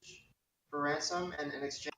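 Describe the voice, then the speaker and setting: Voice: mid-range voice, fairly even intonation, normal speed, sharp tone. A tabletop game player on a glitchy call whose voice keeps cutting in and out, talking in a pushy, scheming way. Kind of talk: casual in-character tabletop play. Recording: distant, echoey, noisy call line with clicks.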